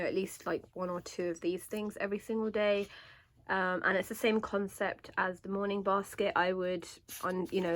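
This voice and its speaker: Woman, sore and congested throat, relaxed chat full of fillers, slightly low voice. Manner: chatty, many fillers and restarts. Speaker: homeschooling parent vlogger. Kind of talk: casual chat to camera. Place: indoors at a table. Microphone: camera above a desk, hands only in frame.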